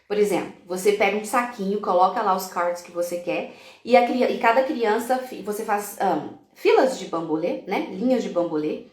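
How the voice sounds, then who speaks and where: A woman's voice: medium pitch, normal speed, a little mellow, echoey room. A woman teacher from Brazil giving a live-stream talk to other teachers, explaining classroom activities step by step and dropping in English example words.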